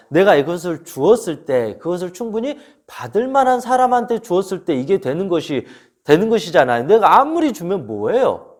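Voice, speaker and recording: A man's voice: high voice, darkish tone. A man giving a relationship lecture in an emphatic, teaching manner, often asking rhetorical questions. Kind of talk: spoken lecture to camera.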